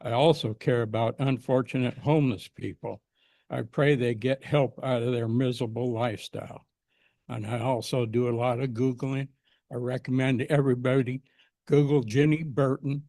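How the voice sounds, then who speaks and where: An American man in his seventies speaks with a creaky, gravelly voice of middling pitch. He delivers a prepared public comment earnestly and emphatically, in a dry, close sound. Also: fairly even intonation, moderate pace, dark tone, no echo. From United States, Pacific Northwest. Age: 70s. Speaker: resident giving public comment.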